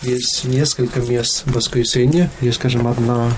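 Young priest talking in an echoey church. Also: male voice, mid-range voice, level tone, a little slow. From Latvia. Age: young adult. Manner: explanatory, searching for words. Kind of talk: interview conversation. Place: inside a church. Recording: echoey church with faint noise.

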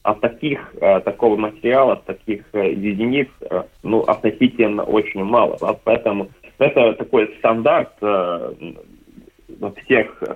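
Halting man over a tinny phone line. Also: lowish voice, husky. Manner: halting, many fillers and restarts. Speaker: deposit system operator representative. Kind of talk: hesitant explanatory talk on radio.

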